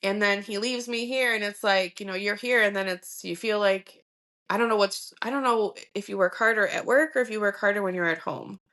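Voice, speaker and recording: A woman's voice: mid-range voice, fairly quick, a bit bright. A woman in her forties talking through family life as a podcast guest, reflective and full of fillers. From Michigan. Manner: reflective, many fillers like um and you know. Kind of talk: casual interview conversation.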